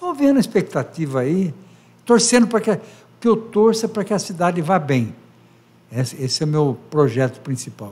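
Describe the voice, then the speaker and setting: A man talks at a moderate pace in a high voice with very wide pitch swings. Long, frequent pauses break up his speech. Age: 70s. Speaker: former mayor. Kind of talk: casual interview.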